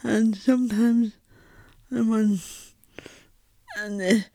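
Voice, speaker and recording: The speaker is an Irish woman, a guest playwright, in a reflective conversation where she pauses thoughtfully and often repeats words while finding them. Her voice is a little high, steady, and mellow, with no echo.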